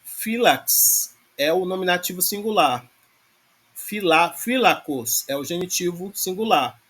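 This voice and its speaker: A man's voice: high voice, animated, measured pace, fairly bright tone, breathy edge. A man teaching a class, explaining grammar step by step and often checking in with his students. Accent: Brazilian Portuguese. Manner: explains patiently with many filler checks like "né?". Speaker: Greek language teacher. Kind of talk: online lecture on grammar.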